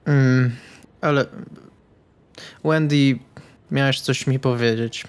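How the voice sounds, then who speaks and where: A man's voice: mid-range voice, fairly even intonation, takes it slowly, clean tone. A man playing a tabletop roleplaying game, chatting casually in character in a hesitant, questioning way. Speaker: tabletop RPG player.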